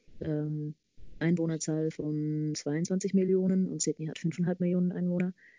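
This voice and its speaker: A woman's fairly low, dark, mellow voice, monotone and flat, at a fairly slow pace, with a dry, close sound and no echo. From Netherlands, Rotterdam. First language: Dutch (speaking German). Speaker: neurosurgeon. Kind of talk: casual interview chat. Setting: video call.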